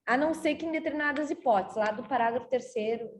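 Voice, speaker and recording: A Brazilian-accented woman teaches a law class in a loose, conversational manner, explaining cases and checking in with her students as she goes. Her voice sits high. The room rings with a noticeable echo. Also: quick pace. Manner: chatty and explanatory, tags sentences with "tá?". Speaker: law lecturer. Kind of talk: university lecture to a class. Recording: roomy echo.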